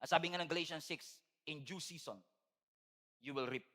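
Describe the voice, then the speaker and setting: A man preaching from the pulpit with a high, bright, ringing voice. He swings from loud, emphatic declarations down to soft, confiding tones. A long hall reverb trails after each phrase. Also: moderate pace. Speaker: pastor. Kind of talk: sermon.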